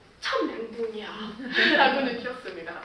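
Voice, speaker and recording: A woman with a non-native accent speaks with audible room echo around her. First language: not Korean (speaking Korean). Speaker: speech contest contestant. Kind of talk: prepared speech.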